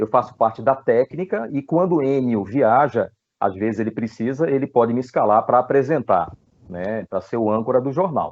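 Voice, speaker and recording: This man's voice sits at a medium pitch with ordinary pitch variation. He talks at a moderate pace. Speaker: radio announcer and journalist. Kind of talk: interview. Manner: hesitant, many fillers.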